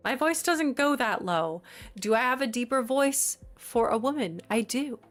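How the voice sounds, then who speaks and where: A woman's voice: fairly high pitch, animated, a little slow, faint music behind. A woman chatting casually on a live stream, giggly and talkative as she greets and answers her chat.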